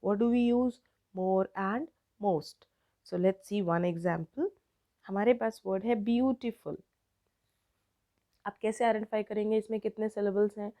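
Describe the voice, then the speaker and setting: An Indian-accented woman teaches a grammar lesson at an unhurried pace. She stretches out example words and explains each step patiently. Her voice is dark and mellow. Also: medium pitch. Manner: slow, drawn-out word-by-word explanation, mixing Hindi and English.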